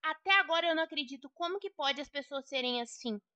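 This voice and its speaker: A woman's voice: high voice, fast, pushed and bright, no echo, dull audio. A young woman with a Brazilian Portuguese accent giving gossipy, indignant role-play commentary on a game to her viewers. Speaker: Roblox gamer.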